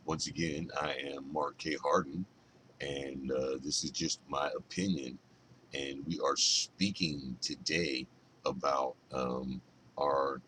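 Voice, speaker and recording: A man hosting his own channel, giving a halting, casual introduction full of fillers. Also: a bass voice, pushed and bright, slight background noise. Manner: halting, filler-heavy, conversational. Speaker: video channel host.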